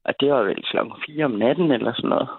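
A woman calls in to a night radio show by telephone and tells a story in a casual, chatty way, laughing between sentences. Her voice is rumbling low and husky, and the dry recording carries a tinny phone-line sound.

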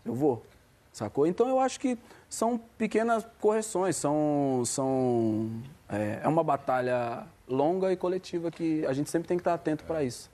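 A Brazilian man chatting casually as a guest, telling stories in relaxed street slang. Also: a little high, normal speed. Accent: Brazilian Portuguese. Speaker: guest rapper. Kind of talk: casual chat.

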